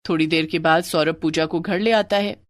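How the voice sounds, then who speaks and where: A woman narrating an animated moral story in a scripted storytelling style. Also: low-pitched, normal speed, no room sound, clean studio sound. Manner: expressive storytelling.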